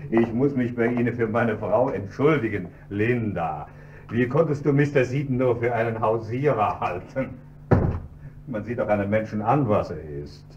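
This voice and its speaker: A man's voice: medium pitch, moderate pace, natural voice. Man doing a hearty rich husband, bit off-mic, dull hummy old radio sound. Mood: jovial. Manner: bluff and cheerful. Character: hearty well-off husband, jovial and trusting. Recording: distant, dull radio recording with faint hum.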